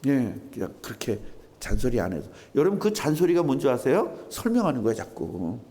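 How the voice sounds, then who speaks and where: Lively animated male pastor preaching. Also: mid-range voice, a little fast. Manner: animated, conversational preaching with mimicked voices. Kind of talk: sermon. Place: church sanctuary. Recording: reverberant church hall.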